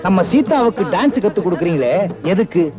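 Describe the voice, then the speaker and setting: A man's voice: sits high, very animated, fairly quick. An actor playing a bumbling, boastful village accountant man, with comic banter in a film scene. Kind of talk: 1980s Tamil film comedy acting. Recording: film soundtrack with music behind. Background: film music.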